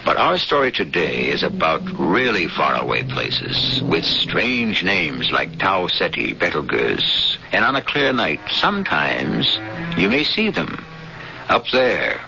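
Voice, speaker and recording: A man hosting a 1970s radio drama with theatrical, ominous, musing narration and deliberate phrasing. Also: sits low, wildly swooping pitch, gravelly, music in the background. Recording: muffled 1970s radio broadcast.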